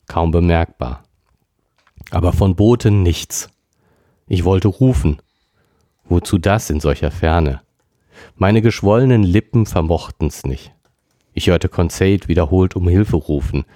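A man reading a classic novel aloud as a podcast narrator, in a steady storytelling manner. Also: low-pitched, dry recording, studio quality. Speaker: podcast reader. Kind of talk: audiobook reading.

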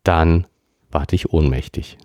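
A man reading a classic novel aloud as a podcast narrator, in a steady storytelling manner. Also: rumbling low, takes it slowly, dry recording, studio quality. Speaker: podcast reader. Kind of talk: audiobook reading.

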